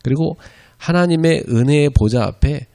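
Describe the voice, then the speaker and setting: With a voice on the high side, gravelly and dark, at a moderate pace, a male pastor preaches a sermon lecture at a church for an evangelism school. He stays conversational, often checking in with the audience through frequent "예" and "그죠?" asides.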